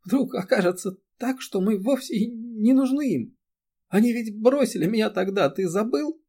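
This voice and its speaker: A man's voice: mid-range voice, lively intonation, creaky, dark tone, slightly rough. A male reader voicing a distressed young woman who falters and sobs as she pleads. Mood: tearful despair. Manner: pleading, halting, breaking into sobs. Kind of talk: audiobook character reading.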